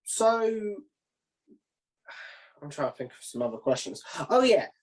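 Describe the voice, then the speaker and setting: A man's voice: sits high, very animated, a little slow. A man hosting a casual podcast interview, chatting informally, offering his opinions and thinking aloud as he goes.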